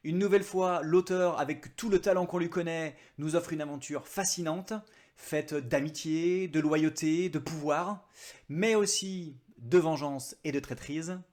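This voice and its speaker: Guy doing a casual book vlog, a bit high voiced, chatty, cracks jokes at himself. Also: measured pace, a little mellow. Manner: chatty, self-mocking asides. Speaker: book vlogger.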